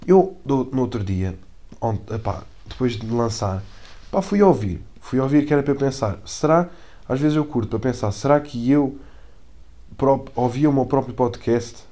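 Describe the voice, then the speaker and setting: A young man with a European Portuguese accent hosts his own podcast alone, chatting in a loose, rambling way full of slang and jokes at his own expense. His voice has a warm, mellow, rather dark tone, sitting at a medium pitch for a man. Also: moderate pace. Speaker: podcast host. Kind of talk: solo casual podcast monologue.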